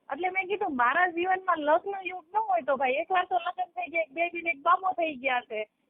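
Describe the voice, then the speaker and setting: A woman speaks with an extremely high pitch. Her intonation is lively. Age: 40s. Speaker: caller. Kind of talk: phone-in chat.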